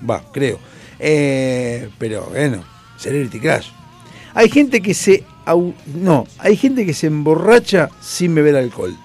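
A man with a Rioplatense accent hosting a casual chat, reading trivia facts in an animated way with quick asides. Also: on the high side, faint music behind. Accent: Rioplatense Spanish.

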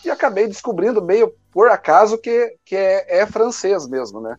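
A man's voice: high voice, expressive, moderate pace, dry recording, dull audio, soft background music. A man with a Brazilian Portuguese accent speaking as a panelist in a casual podcast chat, hesitant and often repeating words as he thinks.

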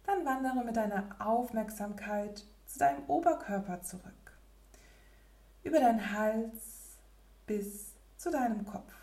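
A woman leading a guided relaxation meditation in a soft, breathy, near-whispered spa voice with gentle pauses. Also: a little high, echoey room. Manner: slow, gentle, with long pauses.

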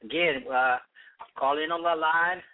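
A man, a pastor, hosting a live call-in radio talk show, speaking conversationally with frequent restarts and preacherly rises, his voice going hoarse. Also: fairly high pitch, unhurried. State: losing his voice. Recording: tinny phone-like line.

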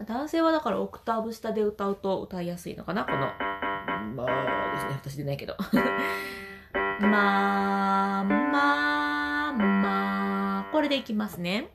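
A woman vocal trainer explaining voice exercises gently and singing short demonstrations. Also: mid-range voice, very animated, fast talker, over loud music. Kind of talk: voice training lesson.

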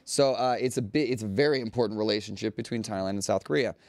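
A man's voice: fairly low pitch, fairly even intonation, fast talker, darkish tone, no room sound. A man co-hosting a casual news show, easygoing and thinking aloud with many fillers.

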